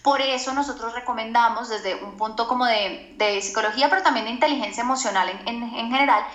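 A woman's voice: on the high side, fast talker, a bit bright. A woman psychologist explaining to a podcast host in an earnest teaching tone, often asking for agreement. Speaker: psychologist guest on a parenting podcast. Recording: roomy echoing sound.

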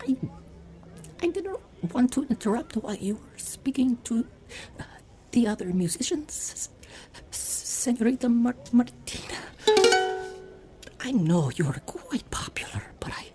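A woman playing a shy, polite male mouse suitor in an audio play, hesitant, breathy and stammering. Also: fairly high pitch, very animated, measured pace, warm tone, in a whisper, soft background music. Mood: nervous, tender. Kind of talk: audio theatre acting.

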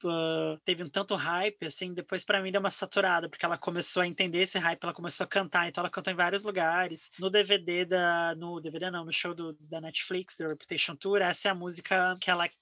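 A man in his thirties talks in a rambling, filler-laden, enthusiastic way as a podcast co-host. His voice is bright and forward. The recording is dry and a little dull, with a lo-fi edge. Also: high-pitched, level tone, fast, hardly any pauses, dry recording. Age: 30s. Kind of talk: casual chat about music.

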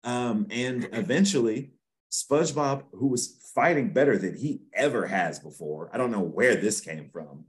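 A man's voice: mid-range voice, expressive, moderate pace. A man hosting a podcast, recapping a cartoon episode in rambling casual chat with frequent restarts. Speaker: podcast host.

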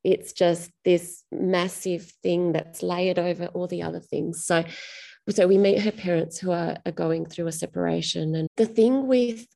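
Middle-aged aussie woman author, gravelly mellow voice, thinks out loud and restarts a lot. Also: fairly low pitch, fairly even intonation, a little slow. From Australia. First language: Greek. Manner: thoughtful, restarts phrases. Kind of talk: interview about her novel.

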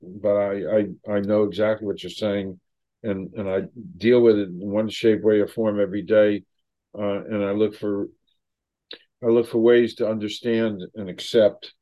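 A man in his seventies hosting an interview, speaking reflectively and haltingly with many fillers. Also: fairly low pitch, level tone, warm tone, rough recording. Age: 70s. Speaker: host. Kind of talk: interview conversation.

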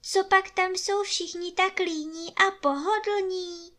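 A woman's voice: extremely high pitch, fairly even intonation, fairly bright tone, pitched above the performer's own voice. A woman voicing a curious little girl in a children's storybook reading, wondering and pleading.

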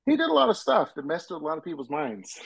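A man co-hosting a podcast, talking in an animated, playful way. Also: fairly high pitch, fast, creaky, slightly rough, no room sound. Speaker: podcast co-host. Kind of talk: casual chat.

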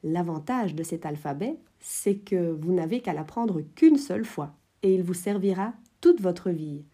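Mellow, husky woman teaching French phonetics. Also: lowish voice, animated, a little slow. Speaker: French teacher, podcast host. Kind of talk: scripted educational podcast.

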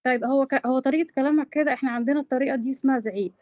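A woman's voice: sits high, rapid-fire, darkish tone. A woman in her forties with an Egyptian accent in an informal live debate, insisting on being allowed to finish her points. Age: 40s.

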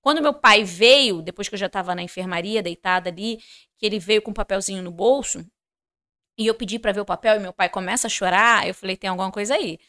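This woman from Rio de Janeiro, Brazil, has a mid-range voice with a sharp tone and talks fairly fast. Appearing as a podcast guest, she recounts her faith testimony in conversation, performing quoted dialogue and turning straight to the audience.

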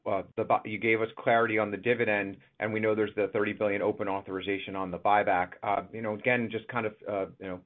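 Man, fairly low voice, analyst caller, halting spontaneous question, thin phone-line sound. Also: little pitch movement. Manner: halting, circling phrasing. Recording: narrow phone-line call.

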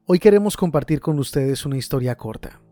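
A man's voice: on the high side, animated, mellow, no echo. Man hosting a podcast. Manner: measured, clear presenting. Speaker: podcast host. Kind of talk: scripted narration.

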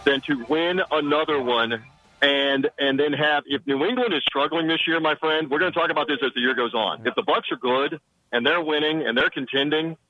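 A man, a sideline reporter guesting on a radio sports show, giving confident, rapid-fire football analysis from a sheltered spot outside a stadium. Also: on the high side, dry recording, lo-fi sound, faint music behind.

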